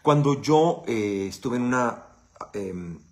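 A man's voice: mid-range voice, expressive, takes it slowly, darkish tone. A man with a Mexican Spanish accent hosting a casual live Q&A. He answers viewer questions in a blunt, profane, conversational way.

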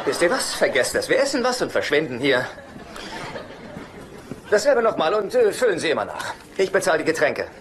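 A needy, easily offended sitcom dad. He stammers and whines with lively swings of pitch. Studio laughter and noise sit in the TV soundtrack. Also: a little fast, long pauses, crowd noise. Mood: hurt, indignant. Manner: hesitant, indignant, stammering. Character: whiny, needy divorced dad, a chiropractor. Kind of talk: German-dubbed TV sitcom acting.

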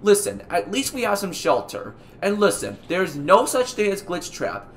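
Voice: mid-range voice, very animated, moderate pace, a little hiss or hum. A performer voicing a skeptical, exasperated male animatronic rabbit who talks in a dismissive, reassuring way in an amateur cartoon skit.

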